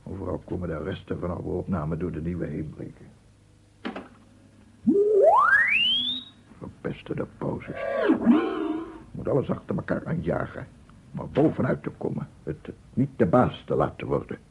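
A male actor playing an embittered, obsessive amateur inventor in a radio drama monologue, husky and halting, swinging between muttering to himself and grandiose declamation. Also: low voice, expressive, background noise. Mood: wistful muttering. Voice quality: husky, gravelly, often dropping to breathy murmur. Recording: muffled phone-like old radio recording.

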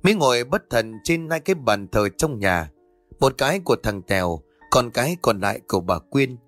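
Guy reading a ghost story, steady and measured, dry close voice, soft music under. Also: medium pitch, dry recording. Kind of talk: scripted ghost-story narration. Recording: dry voice over faint music.

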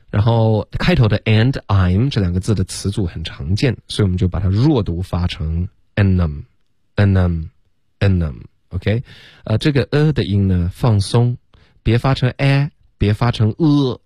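Male radio English teacher, low mellow voice, dry close studio sound; patient drills, bilingual explanations. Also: no room sound. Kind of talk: radio language lesson. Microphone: studio mic.

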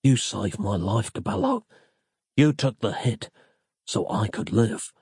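A man voicing a gruff, hard-boiled male detective who speaks in a low, choked-up voice. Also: lively intonation, a little slow, darkish tone, dry recording, studio quality, exaggerated voice. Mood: grieving.

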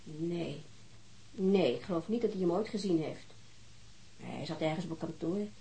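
A woman's voice: on the low side, moderate pace, mellow, breathy edge, low-quality recording. An actress playing a weary, defensive divorced mother, answering questions hesitantly in a naturalistic radio drama. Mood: guarded.

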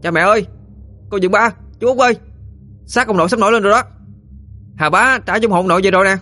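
A man's voice: lowish voice, brisk, close to an everyday voice. A man voicing a blunt, easily irritated village boy in an audio ghost story. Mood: urgent. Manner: grumpy, shouting.

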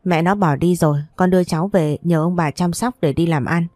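A woman's voice: lowish voice, fairly quick, darkish tone, dry recording, natural voice. A woman voicing a loyal, easygoing young man who teases and speaks respectfully to his parents in a storybook.

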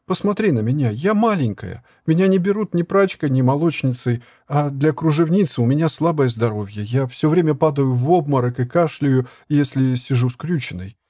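A man's voice: on the high side, expressive, normal speed, few pauses, dark tone, dry recording, clean studio sound, pitched above the performer's own voice. A man voicing a frail, timid young girl who pleads in a raised voice, in an audiobook reading. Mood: pleading.

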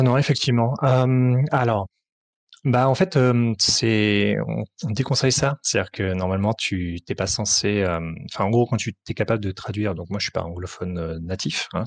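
A tabletop RPG author, translator and publisher answers interview questions conversationally, his low voice gravelly and slightly husky. He's hesitant, circling back with many fillers and restarts, and the recording is dry and close.

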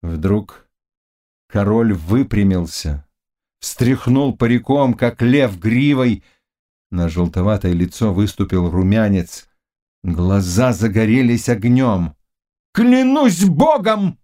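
A man narrating a classic novel as an audiobook in an expressive storytelling manner. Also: fairly low pitch, slow pace.

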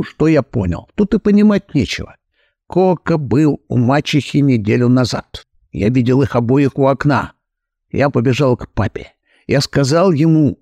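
A man's voice: fairly high pitch, darkish tone, no echo, voice pushed up. A man putting on a blubbering plump young man. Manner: wailing, sobbing complaints. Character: plump tearful young man, hysterical, self-pitying.

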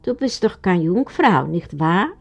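A woman acting out a stout middle-aged soldier in a storybook. He grumbles and coaxes in a gravelly voice that sits somewhat low. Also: big pitch swings, measured pace, exaggerated voice. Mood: coaxing. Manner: grumbling, coaxing.

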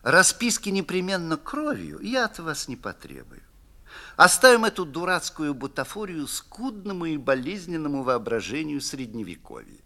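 An actor playing a devil who comes as a neat old notary, speaking calmly and courteously like a businessman. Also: on the high side, heavily acted. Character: calm polite male devil, like an old notary.

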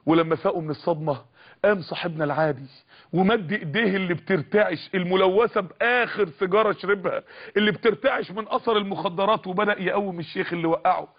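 A man's voice: high-pitched, quick pace, highs cut off. A man with an Egyptian accent telling a sermon story with dramatic narration. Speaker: preacher.

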